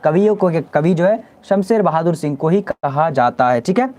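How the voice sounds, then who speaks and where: A man teaches a live online exam-prep class. He asks question after question at a brisk clip and repeats each answer back to his students. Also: on the high side, expressive, darkish tone.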